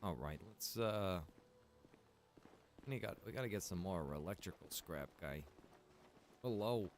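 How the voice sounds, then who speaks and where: Male game streamer, slightly low register, informal and rambling, thinking out loud. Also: lively intonation, measured pace, slight background noise. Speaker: streamer and server developer. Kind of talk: casual gaming stream chat.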